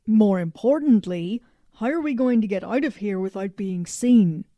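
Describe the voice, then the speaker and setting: A woman's voice: mid-range voice, normal speed, dry recording, dull audio, lightly acted. A woman playing a laid-back, wry young adventurer in an audio drama.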